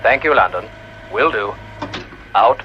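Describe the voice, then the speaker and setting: A man's voice: on the low side, lively intonation, measured pace, highs cut off, background noise. An actor playing a male airliner pilot who speaks in clipped radio procedure from the cockpit, his voice heard as a radio transmission. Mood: businesslike. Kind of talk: 1960s TV drama radio dialogue.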